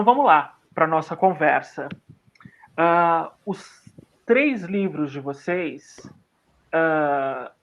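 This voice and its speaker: A fairly high-pitched man moderates a literary panel over a muffled, lo-fi video call. He leads the conversation analytically. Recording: muffled lo-fi audio.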